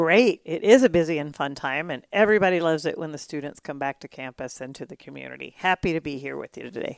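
In a dry, close sound with no echo, a woman with an American accent talks very fast with hardly any pauses, her very deep, low pitch carrying vocal fry, lively intonation, and big swings in loudness. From Texas. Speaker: university athletic director. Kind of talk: interview.

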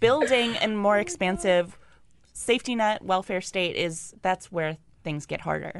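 A normal speaking voice from a woman with an American accent, medium in pitch, at a fairly slow pace with ordinary pitch variation. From Wisconsin. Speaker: political journalist. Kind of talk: casual panel discussion. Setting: studio.

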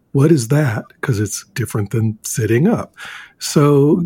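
A man with a dark, mellow, somewhat breathy voice talks at a moderate pace, his intonation lively. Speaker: podcast host. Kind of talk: interview, conversational.

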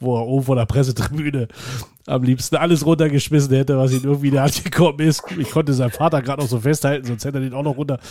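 Talking very fast, a man with a fairly high pitch keeps his intonation fairly even. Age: 40s. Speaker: football podcast co-host. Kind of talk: casual chat.

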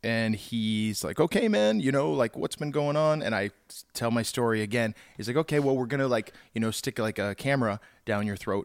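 Recorded very cleanly against a silent background, a man with an unremarkable speaking voice talks at a fairly quick pace in a medium pitch, with ordinary pitch variation and a dry, close sound free of echo. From Canada. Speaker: former podcast audio engineer. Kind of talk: casual chat.

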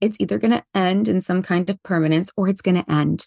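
A woman's medium-pitched, fairly quick delivery in an ordinary speaking voice, with a dry, close sound, no echo and a quiet background. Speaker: online creator and author. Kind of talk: casual interview conversation.

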